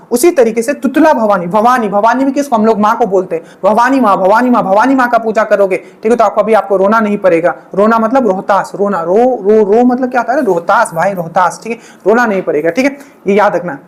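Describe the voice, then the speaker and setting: A woman teaching an exam-prep lesson, repeating each memory trick and checking in with the class again and again. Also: on the high side. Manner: repetitive drilling, frequent checking-in asides.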